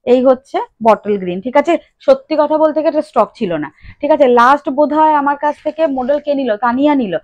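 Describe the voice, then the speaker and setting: A woman's voice: high-pitched, brisk, darkish tone, dry recording, lo-fi sound. A woman with a Bengali accent hosting a live sari sale, chatting with viewers by name and repeating colours and prices. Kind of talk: live-stream sales chat.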